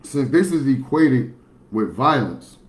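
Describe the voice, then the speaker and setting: A man's voice: big pitch swings, slow pace, a little hiss or hum. A man, talking bluntly and matter-of-factly in a rambling livestream monologue. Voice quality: baritone. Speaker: livestream host.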